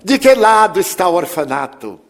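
A man's voice: high-pitched, very animated, normal speed. A man voicing an eager pleading little boy. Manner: pleading questions. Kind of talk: storytelling with acted voices.

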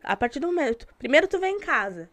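A woman's voice: high-pitched, very animated, fast, fairly bright tone. A woman with a Rio Grande do Sul accent, talking bluntly in a casual chat, rambling and repeating herself. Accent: Rio Grande do Sul Portuguese. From Rio Grande do Sul, Brazil.

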